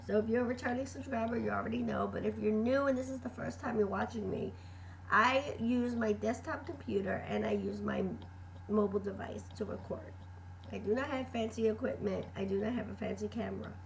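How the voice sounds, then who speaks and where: Audible room echo hangs around this speaker. She is a woman talking at a fairly quick pace. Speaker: crochet and book vlogger. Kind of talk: casual chat. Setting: home, recording at desktop computer. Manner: hesitant, many fillers.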